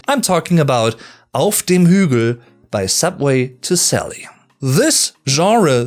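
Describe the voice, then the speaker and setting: A man in his early thirties, a native German speaker, giving emphatic, conversational music commentary as a video host. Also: mid-range voice. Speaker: music reviewer, YouTube host. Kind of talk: scripted countdown commentary with casual asides.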